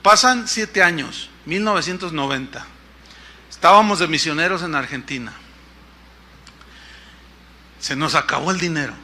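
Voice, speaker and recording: A man's voice: fairly high pitch, normal speed, long pauses, bright, forceful tone. A man preaching as a pastor, telling a story in a sermon and acting out the voices of the people in it. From Mexico.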